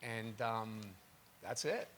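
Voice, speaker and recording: A man's voice: fairly low pitch, takes it slowly, fairly bright tone, slight background noise. A man from Canada introducing himself as a panelist on stage, plain-spoken and upbeat, using a handheld mic. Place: large tent stage before an audience. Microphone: handheld mic, far camera.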